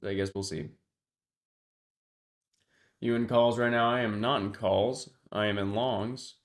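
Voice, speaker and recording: A man with a congested, sniffly nose gives loose live-stream commentary in a fairly low voice. He talks to his viewers at a desktop mic, musing aloud and letting his sentences trail off. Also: steady tone, measured pace. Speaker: livestream trader. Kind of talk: casual livestream commentary.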